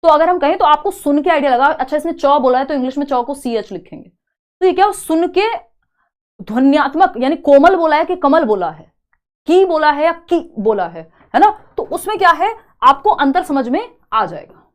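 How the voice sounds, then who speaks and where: Young woman teacher, kinda high voice, chatty n teasing her students in a live class. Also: expressive. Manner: spells out word examples slowly. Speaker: online exam-prep teacher.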